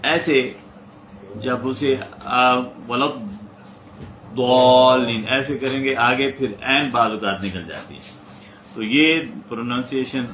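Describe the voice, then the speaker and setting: A man gives a recitation lesson in a bright, forward voice. He is patient and sounds out each letter slowly, over and over. The room is echoey, with faint insects chirping behind him. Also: mid-range voice, a little hiss or hum. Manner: patient, demonstrates sounds by repeating them slowly. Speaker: religious teacher. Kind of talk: spoken lesson on Quranic recitation.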